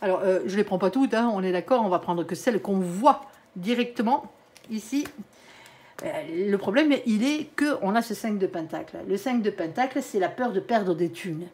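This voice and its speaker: A woman's voice: medium pitch, moderate pace, darkish tone. Chatty tarot-reading woman with an accent. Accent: regional French. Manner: chatty, blunt, peppered with "hein". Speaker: tarot reader. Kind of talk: casual spoken tarot reading.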